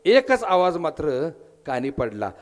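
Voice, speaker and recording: A man's voice: a little high, big pitch swings, slow pace, darkish tone. A man with a Marathi accent preaching a devotional kirtan sermon, telling a story, voicing its characters and breaking into sung verses. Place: temple hall with audience.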